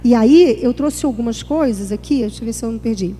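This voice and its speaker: A woman pastor speaks in a high, mellow voice. She talks conversationally at a church workshop and slips into little everyday dialogues. Her voice rings with a long reverb in a church hall. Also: quick pace, a little hiss or hum.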